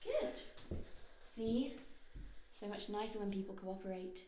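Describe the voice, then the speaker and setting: A young woman acting a mysterious, menacing guide in a horror audio play, hushed, commanding and teasing with threats. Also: mid-range voice, a little slow, heavy background noise, close to an everyday voice. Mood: coaxing menace. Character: mysterious menacing female guide in a hellish place. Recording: very echoey binaural recording.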